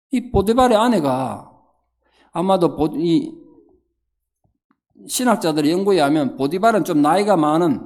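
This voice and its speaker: A middle-aged man, preaching a revival sermon and telling stories, acting out the quoted lines. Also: high-pitched. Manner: animated storytelling, acting out quotes. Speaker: pastor.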